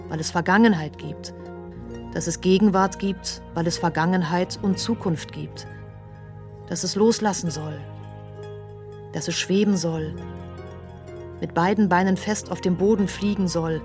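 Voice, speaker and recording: An actress performing an outsider's literary radio monologue in short, incantatory, repeated phrases. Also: female voice, lowish voice, darkish tone, natural voice.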